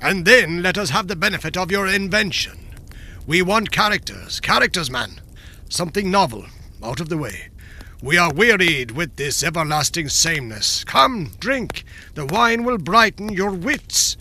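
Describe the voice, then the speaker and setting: A man's voice: high-pitched, lively intonation, normal speed, full character voice. A man voicing a boisterous, cruel tyrant king who roars and laughs mockingly, in a storybook reading. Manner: loud, roaring, mocking laughter.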